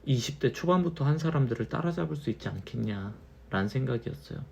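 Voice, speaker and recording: A man in his thirties, a little tipsy from wine, musing slowly in a casual monologue and repeating his phrases. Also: medium pitch, animated, gravelly, a little mellow, breathy edge. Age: 30s. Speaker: channel host.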